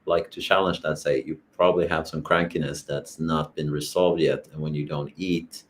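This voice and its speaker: Man from sweden, super deep voice, calm reflective explainer, talks thru everyday examples. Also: moderate pace, a little hiss or hum. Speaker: co-host of wellness masterclass. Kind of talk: explanatory casual talk.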